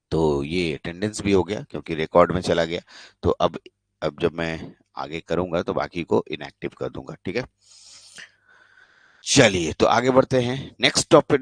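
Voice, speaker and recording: A man's voice: sits low, no room sound. A young man with a Bihari Hindi accent teaching a live online class. He mixes English terms into his Hindi and keeps checking that students follow. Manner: explains in Hindi mixed with English, checks in with frequent questions. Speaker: polytechnic teacher.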